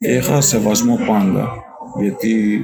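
Speaking very slowly at a fairly low pitch, a man shows ordinary pitch variation in a room with audible echo. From Iran. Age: 30s. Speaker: stage actor. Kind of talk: interview. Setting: theater after the show.

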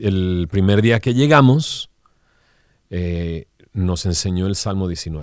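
A man's very deep, low pitch with ordinary pitch variation, on a very clean recording with a silent background. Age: 40s. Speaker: pastor and Bible teacher. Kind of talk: interview.

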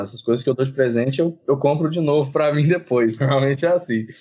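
At a fairly quick pace, a man speaks with ordinary pitch variation in a plain, everyday voice. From Brazil, Minas Gerais (Uberlândia). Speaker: comic artist. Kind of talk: interview.

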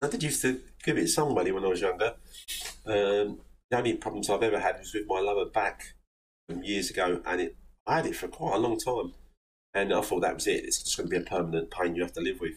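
A man speaks with a London accent. His pace is very fast. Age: 50s. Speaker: plasterer hosting a call-in livestream. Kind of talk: live call-in Q&A. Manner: chatty, rambling.

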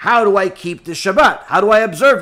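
A man speaks with an American accent and lively intonation. His pace is moderate, and the recording is very clean with a silent background. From New York. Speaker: rabbi. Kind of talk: Torah class answering questions. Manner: halting with fillers.

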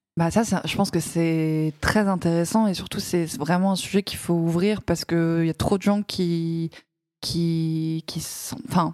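Her pitch fairly low, a woman speaks at a fairly slow pace with fairly even intonation. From France, Paris. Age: 20s. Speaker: fashion model. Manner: halting, many fillers.

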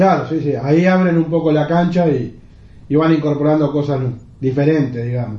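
Somewhat breathy, a man with a fairly high pitch, ordinary pitch variation and a dark, mellow tone speaks at a moderate pace amid audible room echo. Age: 40s. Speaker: podcast interviewer. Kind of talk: casual interview. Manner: halting, many repetitions and fillers.

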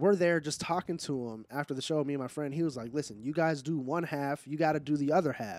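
Speaking in a normal speaking voice at a fairly quick pace, a man with a fairly high pitch is heard on a very clean recording with a silent background. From Pittsburgh, US. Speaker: comedian and internet personality. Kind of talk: casual chat.

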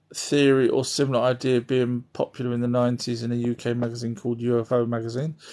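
A man with a British accent speaks at a fairly quick pace and medium pitch. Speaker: live-stream content creator and film maker. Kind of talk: live chat. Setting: live stream at home.

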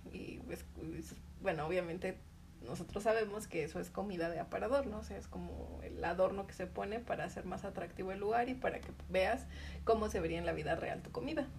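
With audible room echo around her, a woman talks at a fairly quick pace. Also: big swings in loudness. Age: 30s. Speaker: podcast co-host. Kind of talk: casual chat.

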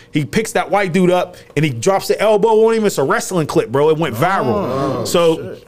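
With noticeable background noise behind him, a man with a high pitch talks at a fairly quick pace. His intonation is lively, with hardly any pauses. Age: 40s. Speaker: filmmaker and music video director. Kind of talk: casual chat.

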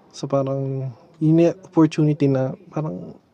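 In a dark, mellow tone, a man speaks at a fairly slow pace with flat, monotone intonation. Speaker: podcast host. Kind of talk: casual monologue. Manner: halting.

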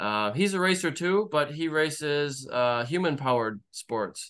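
A man with an American accent speaks fairly slowly, his pitch fairly high and his intonation lively. It is an unremarkable speaking voice. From Michigan. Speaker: podcast host and racing coach. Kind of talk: casual interview.

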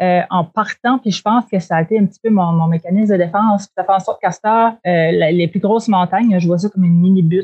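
The speaker uses a plain, everyday voice at a fairly quick pace, with fairly even intonation and hardly any pauses. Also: woman, medium pitch for a woman. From Acadian New Brunswick, Shippagan. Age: 30s. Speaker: multidisciplinary artist and comedian. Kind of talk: casual interview.

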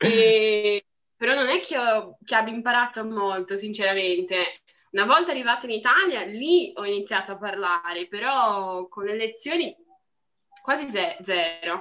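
Her pitch fairly high, a woman speaks at a fairly slow pace with lively intonation. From Brazil, São Paulo. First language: Portuguese (speaking Italian). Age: 20s. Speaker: university student. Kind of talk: casual chat.

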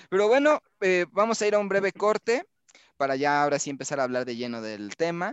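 A man's high-pitched voice at a fairly quick pace, with very wide pitch swings. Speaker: podcast host. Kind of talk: casual chat. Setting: video call.

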